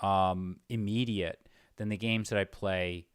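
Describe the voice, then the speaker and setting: A man's voice: sits low, fairly even intonation, measured pace, clean tone, dry recording, studio quality. A man chatting casually as interviewer, hesitant and rambling, often correcting himself. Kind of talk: casual conversation.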